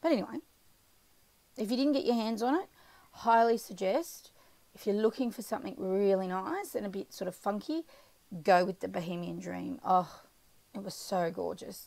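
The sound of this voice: A woman uses a put-on character voice that is raspy, at a medium pitch. She speaks at a moderate pace with long, frequent pauses.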